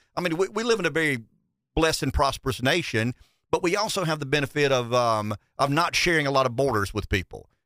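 Talking at a very fast pace with a Southern US accent, a man uses a fairly high pitch, a bright, sharp tone and lively intonation, recorded with a dry, close sound and no echo. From US South. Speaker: podcast host. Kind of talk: interview. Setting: studio. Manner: halting, repeats words often.

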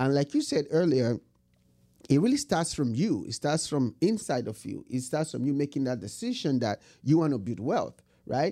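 On a very clean recording with a silent background, a man with a Nigerian accent speaks in a fairly high pitch, his tone dark and mellow and his intonation lively. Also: moderate pace. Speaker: podcast host and entrepreneur. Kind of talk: casual chat.

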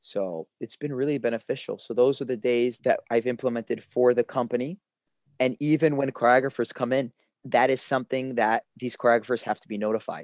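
A man with an American accent and an unremarkable speaking voice talks at a fairly quick pace and medium pitch, his loudness swinging widely, in a dry, close recording with no echo and a quiet background. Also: fairly even intonation. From US, upstate New York and Orlando, Florida. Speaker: ballet dancer. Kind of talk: casual chat.

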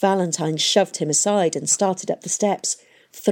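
Natural-voiced reading aloud

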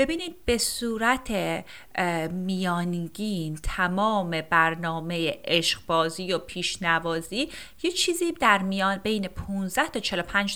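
A woman's bright, sharp, medium-pitched voice with lively intonation, in a very clean recording with a silent background. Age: 40s. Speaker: sex therapist podcast host. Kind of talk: educational podcast monologue.

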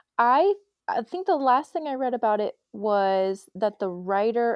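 A woman talks with an American accent and ordinary pitch variation. The sound is dry and close with no echo, and the background is quiet. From Texas (Dallas). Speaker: comedian and sketch performer. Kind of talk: casual chat.

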